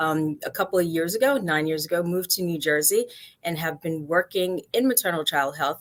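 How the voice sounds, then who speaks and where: A woman's voice with a New York accent. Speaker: maternal health nurse. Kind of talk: interview.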